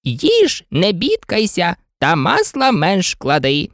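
Brusque storybook carpenter acted by a woman, bossy, lively, dry sound. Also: lowish voice, slow, dry recording, heavily acted. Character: blunt greedy male carpenter.

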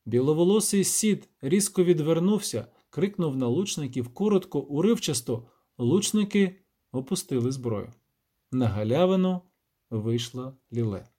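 A man's voice: on the high side, lively intonation, moderate pace, dark tone. Man narrating a fantasy audiobook.

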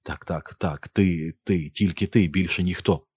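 A dazed, frightened young recruit murmuring eager agreement under his breath, as a man voices him. Soft and low, recorded close and dry. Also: unhurried, husky, no echo. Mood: dazed whisper.

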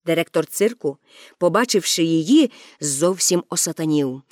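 A woman narrating a storybook in an expressive reading voice. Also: low voice, normal speed, no room sound, clean studio sound.

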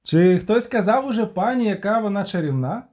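Man doing a showy vain bard voice, high and bouncy, audiobook style. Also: animated, a little fast, a little mellow. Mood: showman. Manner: theatrical, sing-song and boastful. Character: vain flamboyant young male bard, cheeky showman.

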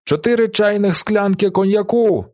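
A man voicing a brash, red-haired drinking challenger who shouts commands and toasts. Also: low-pitched, normal speed, no echo, clean studio sound. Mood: shouting.

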